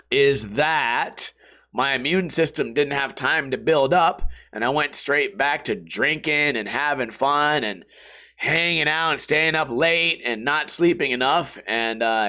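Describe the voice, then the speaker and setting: A young American podcast host, sick and half out of voice, rambles casually between topics with slang and swearing. His medium-pitched voice is hoarse and rough, sounding pushed and bright.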